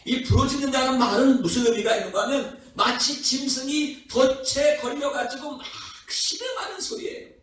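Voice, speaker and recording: High-pitched pastor preaching in an echoey hall. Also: male voice, normal speed, few pauses, a bit bright. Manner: rising, impassioned preaching with rhetorical questions. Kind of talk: revival sermon. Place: prayer house worship hall. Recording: echoey hall from far off, faint noise.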